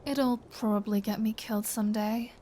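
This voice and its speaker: A woman's voice: mid-range voice, steady tone, moderate pace, dark tone, slight background noise, lightly acted. A woman voicing a flirty, menacing vampire in an intimate ASMR roleplay, teasing and sardonic, often slipping into a whisper. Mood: wry, fond. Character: flirty, menacing female vampire taunting her captive hunter.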